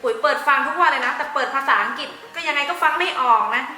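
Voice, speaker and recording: A young adult woman giving study tips in a casual tutorial vlog, chatty, with frequent soft polite sentence endings. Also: high voice, fast. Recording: roomy echo with faint background music.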